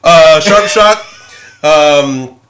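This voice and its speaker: A man's voice: fairly high pitch, very slow, a bit bright, a little hiss or hum. A man hosting a casual workshop livestream, chatting easily with a guest and chuckling often. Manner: chuckling, easygoing banter. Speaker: prop maker and stream host.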